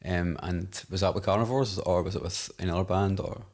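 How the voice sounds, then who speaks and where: A man's voice: low voice, fairly even intonation, brisk, darkish tone. A man hosting a podcast interview, opening his questions with hesitant "um" and "uh" starts. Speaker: podcast host.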